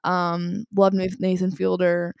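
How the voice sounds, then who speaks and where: A woman's voice: lowish voice, completely flat delivery, takes it slowly, gravelly, a little mellow, clean tone, no room sound, clean studio sound. A woman co-hosting a podcast in casual chat, chatty and laughing often, with plenty of fillers. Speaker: podcast co-host.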